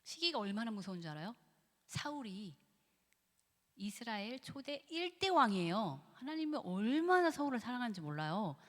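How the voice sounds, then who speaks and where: A woman's voice: fairly high pitch, normal speed. A woman professor giving a church lecture on biblical psychology, acting out quoted voices and laughing often. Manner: lively and animated, acts out God and Satan in quoted voices, laughs often. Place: church sanctuary. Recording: echoey church hall.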